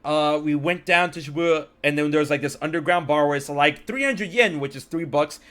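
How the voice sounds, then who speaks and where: High, bright-voiced young American man. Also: fairly quick. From United States. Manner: animated, acts out quotes with loud jumps. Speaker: podcast host. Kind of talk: casual storytelling chat.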